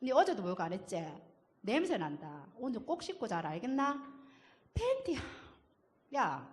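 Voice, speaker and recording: A woman's voice: a little high, huge pitch swings. A woman voicing a nagging father who scolds his young son nonstop in Gyeongsang dialect. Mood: scolding. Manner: rapid scolding, nonstop orders.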